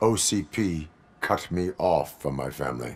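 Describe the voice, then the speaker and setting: In a put-on character voice, a man speaks at a very deep, low pitch and a moderate pace. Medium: video game. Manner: flat, clipped, no contractions.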